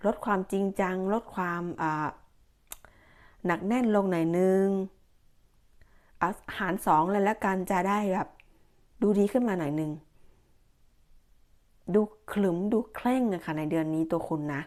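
Woman tarot reader, lowish voice, rambling friendly warnings, lots of fillers. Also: measured pace, long pauses, darkish tone. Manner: chatty, repeats warnings with many fillers. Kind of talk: monthly horoscope reading, casual monologue.

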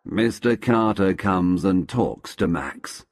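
Man reading a story for english learners, lowish voice, slow and clear, pitch moves a lot, dry close sound. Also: lively intonation, no echo. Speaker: narrator.

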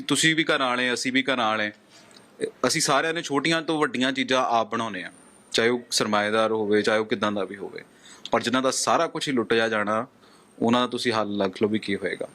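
A man's voice: mid-range voice, pushed and bright. A man reporting on the spot from a flooded village, consoling the people he interviews in short, broken phrases. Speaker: news reporter.

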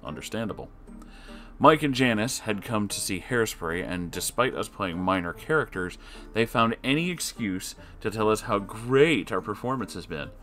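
A man reading an online story aloud, adding sarcastic asides to the listener in a lively voice that swings between loud and quiet. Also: on the low side, normal speed, soft background music. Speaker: story reader.

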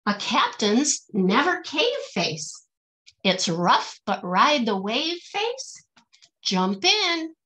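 A woman's voice: high voice, a bit bright, rough recording. A middle-aged woman reading a picture book aloud to children in a singsong, teacherly way, stressing the rhymes and asking questions.

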